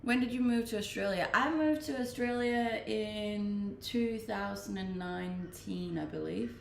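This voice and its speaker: Young woman, from Denmark, native Danish speaker, gravelly voice, casual streamer chat, echoey room. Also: mid-range voice, measured pace, slight background noise. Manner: relaxed, reads questions aloud then answers. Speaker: streamer answering chat questions. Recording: roomy, distant-mic home stream.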